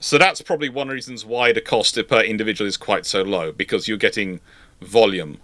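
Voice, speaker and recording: A man hosting an unscripted live panel discussion, speaking haltingly and rephrasing as he goes. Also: fairly low pitch, fairly bright tone. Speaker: host of a live question panel.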